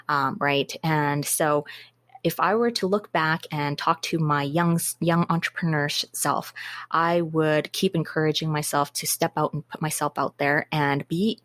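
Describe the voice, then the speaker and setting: A woman guest on a business podcast, answering interview questions in a measured, methodical way. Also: deep voice, fairly bright tone, dry recording. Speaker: guest, business systems consultant.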